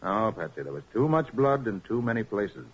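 A man's voice: lowish voice, sing-song, normal speed, husky, full character voice. A man playing a confident, methodical American master detective in a 1940s radio drama, explaining things precisely and with assurance. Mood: assured, explanatory. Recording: muffled old 1940s radio recording.

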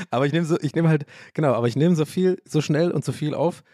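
A man's voice: fairly high pitch, brisk, dark tone, no room sound, clean studio sound. Rambling, joking man hosting a podcast. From Ireland. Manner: rambling, joking, self-mocking, swears casually. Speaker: podcast host. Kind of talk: casual rambling monologue.

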